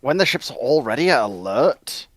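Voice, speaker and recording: A man on a discussion panel explaining things casually in a measured, matter-of-fact way. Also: medium pitch, big pitch swings, fairly bright tone, no room sound.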